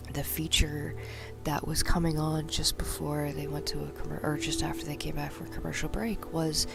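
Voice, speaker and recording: A low, gravelly woman chats in a soft, breathy half-whisper, filling pauses with ums as she hosts a meditation stream. She takes her time over every phrase. Loud music plays under her voice. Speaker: meditation livestream host. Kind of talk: soft-spoken casual chat.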